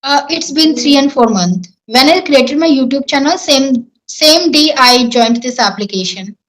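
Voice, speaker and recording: On an online English practice call, a young woman from Rajasthan whose first language is Marwari responds in careful, rehearsed sentences sprinkled with fillers, in an Indian accent. Her high voice is expressive and a little slow, and the audio quality is poor.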